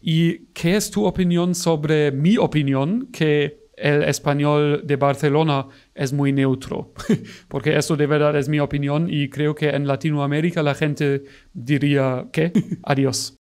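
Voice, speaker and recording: German-accented male reactor, chatty, self-deprecating, slightly high voice. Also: steady tone, a little slow, a little mellow, clear, resonant tone. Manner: chatty, self-mocking, laughs easily. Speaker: YouTube reaction host. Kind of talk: casual reaction commentary.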